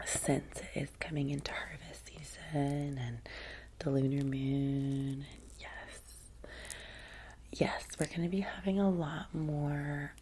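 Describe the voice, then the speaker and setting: Whispering Valley girl woman, low-pitched. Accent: Valley girl American. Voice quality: soft, breathy whisper. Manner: casual, chatty Valley girl phrasing with many "like"s. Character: vampire's chatty, soothing young female personal assistant. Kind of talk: ASMR roleplay, soft-spoken personal attention.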